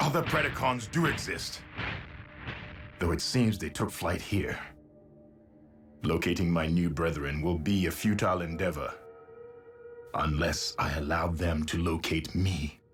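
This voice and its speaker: In a cartoonish character voice with a very deep, low pitch, a man speaks at a moderate pace with long, frequent pauses while clear music plays in the background. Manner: formal, stately.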